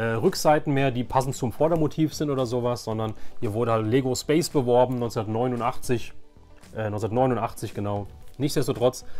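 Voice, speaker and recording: A man in his forties speaks as a vlog host with an ordinary mid-pitched voice. He chats informally and enthusiastically to his viewers, rambling nostalgically. Music plays faintly behind him. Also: a little mellow. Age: 40s. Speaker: video host.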